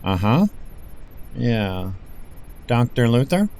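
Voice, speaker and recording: An actor playing a cold, commanding villainous boss in an audio drama, curt and authoritative. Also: male voice, medium pitch, very animated, slow, darkish tone, slight background noise.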